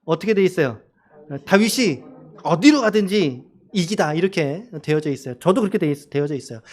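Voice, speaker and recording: A male pastor delivers a Sunday sermon with a lively, animated voice that rises and falls freely. He speaks to the congregation conversationally, pausing to ask them questions. He slips into acted-out dialogue as he tells the story. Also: high voice. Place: church service.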